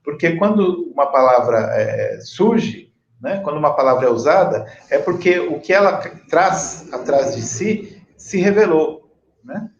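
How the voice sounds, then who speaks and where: A man with a Brazilian accent hosting a conversational interview in a deliberate, hesitant, rambling way. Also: a little high, animated, vocal fry. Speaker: interview host. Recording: echoey room, dull lo-fi audio.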